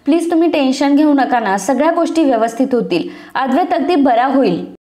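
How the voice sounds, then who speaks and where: A gentle young wife asks anxiously after her husband, played by a woman narrator. The voice is high. A roomy echo surrounds it. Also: expressive, brisk.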